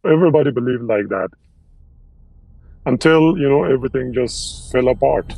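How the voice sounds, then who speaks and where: A man from Afghanistan speaks in an interview through a digitally altered, disguising voice filter. His tone is dark and gravelly, and the sound is dry and close. He talks earnestly, leaning on fillers and restarting phrases. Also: mid-range voice, normal speed, no room sound, low-quality recording. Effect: voice digitally altered to disguise identity. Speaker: interviewee, former interpreter and contractor. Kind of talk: interview testimony.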